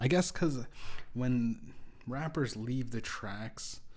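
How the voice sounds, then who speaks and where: This man talks at a fairly slow pace with a Canadian prairie accent. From central Canada. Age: 20s. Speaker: podcast host. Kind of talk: casual monologue. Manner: halting.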